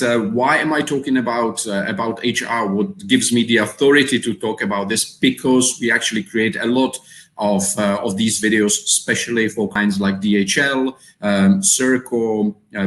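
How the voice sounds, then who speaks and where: A man's voice: on the low side, a bit bright. A man from the Czech Republic with a Czech accent, hosting a live webinar and speaking hesitantly with many fillers and repeated words. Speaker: webinar host. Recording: roomy echo.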